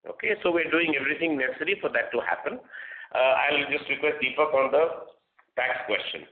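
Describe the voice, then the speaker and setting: A man's voice: fairly high pitch, a little fast, phone-quality sound. A man, a company executive answering investor questions off the cuff, often checking understanding with small tags like "right" and "okay". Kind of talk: unscripted earnings call answers. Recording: echoey, thin phone conference line.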